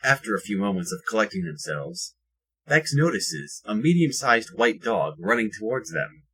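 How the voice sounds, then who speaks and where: Husky, forceful low-voiced male narrator. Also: big pitch swings, moderate pace. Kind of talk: scripted narration of an audio drama.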